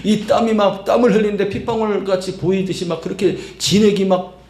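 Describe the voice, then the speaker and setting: A man's voice: high voice, fairly even intonation, fairly quick, darkish tone, echoey room. A man preaching a Sunday sermon as pastor, emphatic, acting out quoted voices and filling with little interjections. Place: church sanctuary.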